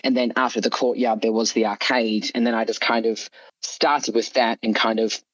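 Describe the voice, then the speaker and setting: A man's voice: mid-range voice, flat delivery, normal speed, a bit bright. Man explaining things, dull lo-fi audio. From United Kingdom. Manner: explanatory, frequent "like" and "you know". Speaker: guest author interviewed about his story. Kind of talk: conversational interview answers.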